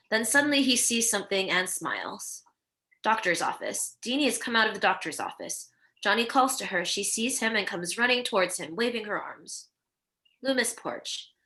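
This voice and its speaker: A woman serves as the narrator of a script read, delivering the stage directions. Her voice sits at a middle pitch with a bright, forceful edge. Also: low-quality recording.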